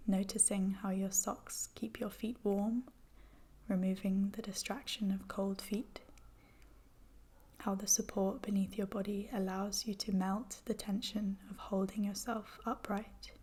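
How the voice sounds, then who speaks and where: Female meditation guide: hushed, mellow delivery, very even pitch, gentle and soothing, breathy texture. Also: unhurried. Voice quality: soft, breathy, whispery. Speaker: yoga nidra guide.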